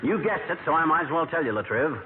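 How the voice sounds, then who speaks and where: A blustering husband on old AM radio. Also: male voice, on the high side, lively intonation. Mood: boastful. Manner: blustery, bragging, quick comebacks. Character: blustering boastful middle-aged husband, scheming and excitable. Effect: old AM radio broadcast sound. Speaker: radio sitcom lead. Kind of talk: 1940s radio comedy acting. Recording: tinny hissy old AM radio broadcast.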